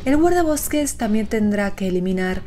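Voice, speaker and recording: Woman narrator with a mellow tone. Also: mid-range voice, lively intonation, moderate pace, faint music behind. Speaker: narrator of horror series explainer videos. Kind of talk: scripted narration.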